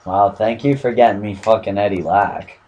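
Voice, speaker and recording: A young man with a cold and a hoarse voice, hosting casual gaming commentary while opening card packs, swearing and swinging from mumbling to excited shouts. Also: fairly low pitch, moderate pace, muffled recording, slight background noise. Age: young adult. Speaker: gaming channel host.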